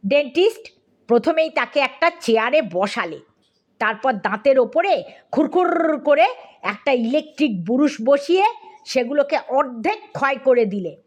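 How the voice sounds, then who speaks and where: Woman narrator for a funny audiobook story; high, unhurried, playful delivery. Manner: lively, comic, addressing listener.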